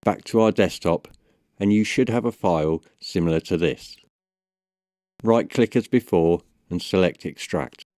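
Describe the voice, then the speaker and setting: A man with a low-pitched voice presents a step-by-step software guide. His delivery is measured and instructional. The sound is dry, with very little room in it. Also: dry recording. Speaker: tutorial presenter. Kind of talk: step-by-step software tutorial voice-over.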